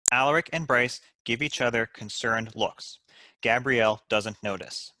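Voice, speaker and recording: A man's voice: medium pitch, measured pace, pushed and bright, a little hiss or hum, low-quality recording. A man reading stage directions aloud as scripted narration for a comedy script.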